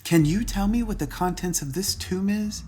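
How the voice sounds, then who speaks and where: A man's voice: sits high, normal speed, darkish tone, soft background music, voice pushed up, natural voice. A man voicing a curious, determined woman scientist with an informal, questioning manner.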